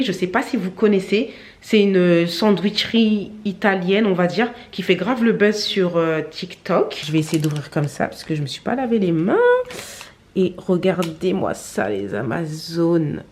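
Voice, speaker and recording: A young woman vlogging at home, talking to her viewers in a chatty, upbeat, slangy way into a handheld phone. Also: fairly low pitch. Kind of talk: casual vlog chat. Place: at home, indoors.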